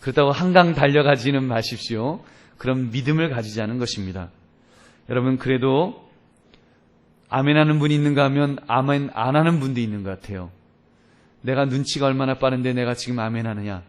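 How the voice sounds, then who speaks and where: A man's voice: medium pitch, fairly quick. A male pastor preaching a sermon, addressing the congregation directly and acting out the voices in his stories. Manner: animated storytelling, acting out voices in quotes.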